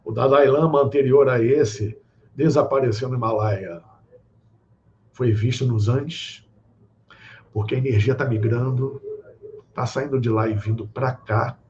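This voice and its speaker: A Brazilian man explains in a lecturing way, often pausing to check in with his listeners. The live-stream audio is a bit dull and muffled. A faint hiss of room noise sits under his voice. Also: mid-range voice, steady tone, a little mellow. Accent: Brazilian Portuguese. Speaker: guest speaker on esoteric topics.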